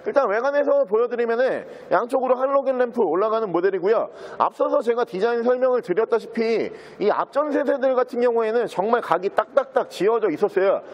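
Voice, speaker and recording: A man giving a used car sales walkaround in smooth, practised salesman patter. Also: very high-pitched, expressive, fast talker, hardly any pauses, lo-fi sound. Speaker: used car dealer presenting a car.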